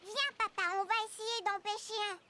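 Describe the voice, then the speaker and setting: A performer voicing a curious, excitable four-year-old boy in a children's cartoon, with a childlike, inquisitive delivery. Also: very high voice, fairly quick. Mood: eager.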